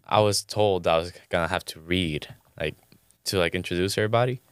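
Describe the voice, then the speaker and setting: A man's voice: sits low, brisk, clear, resonant tone, no echo, studio quality. A young man in college with a Hispanic accent, chatting casually in a rambling, hesitant, self-deprecating way. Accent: Hispanic-accented English. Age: young adult. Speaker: college student guest. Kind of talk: casual chat.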